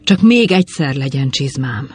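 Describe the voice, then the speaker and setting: A narrator voicing a weary mercenary soldier who speaks in a hoarse, groaning way. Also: medium pitch, lively intonation, a little mellow. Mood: shivering remorse.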